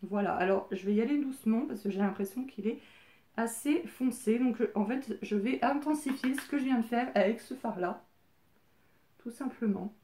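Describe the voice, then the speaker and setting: Chatty woman with a bright higher voice. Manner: chatty and hesitant, many filler pauses. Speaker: beauty vlogger. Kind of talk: casual makeup tutorial. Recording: roomy echo.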